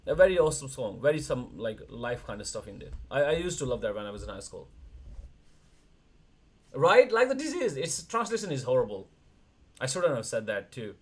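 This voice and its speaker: A young man from India chatting casually on a livestream, talking in quick bursts with frequent restarts. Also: mid-range voice, very animated. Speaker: streamer, wrestler co-host.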